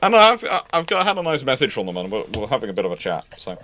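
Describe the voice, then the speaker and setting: This livestream host, a naval historian, races along in a pushed, bright mid-range voice with huge pitch swings. He chats casually and answers viewer questions, rambling and repeatedly rephrasing himself. Slight background noise is audible.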